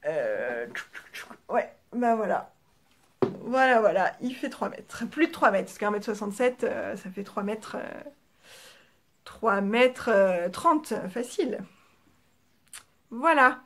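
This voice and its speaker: In this casual show-and-tell, a French-accented woman moves slowly through talk about her knitting, pausing often. As a podcast host facing the camera, she keeps it chatty and easygoing, her slightly high voice full of fillers and soft, fading asides.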